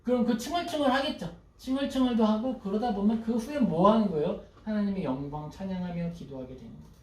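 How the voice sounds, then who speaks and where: A man's voice: high voice, fast, recorded from a distance. Male pastor preaching in an echoey hall. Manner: lively, acts out prayers in a pleading voice, asks the congregation questions. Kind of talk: sermon.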